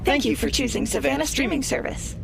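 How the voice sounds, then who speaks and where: A woman playing a polite, measured AI assistant in a self-driving car, making scripted customer-service announcements. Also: high voice, gravelly, music in the background. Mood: politely attentive. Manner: courteous, measured.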